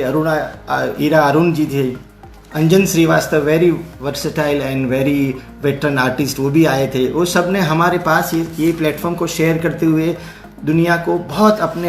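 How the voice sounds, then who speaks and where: Middle-aged man, halting with fillers, somewhat high voice, roomy echo, faint music behind. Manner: halting, many fillers and restarts, mixes English phrases in. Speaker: theatre producer and session host. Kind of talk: live online talk.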